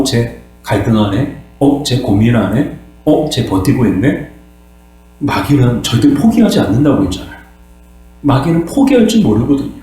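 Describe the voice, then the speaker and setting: The sermon comes from a male pastor with a medium-pitched, darkish voice, recorded in a church sanctuary full of echo and mains hum. He puts questions to the congregation and answers them himself, at times performing voices and crying out with drama.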